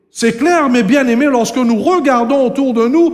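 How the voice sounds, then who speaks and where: A man speaks at an extremely high pitch with lively intonation. Room echo is audible. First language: English (speaking French). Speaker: preacher. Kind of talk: sermon.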